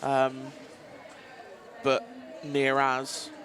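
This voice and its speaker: A man co-commentating live roller derby on a headset, easygoing and quick with banter. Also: medium pitch, monotone, crowd noise.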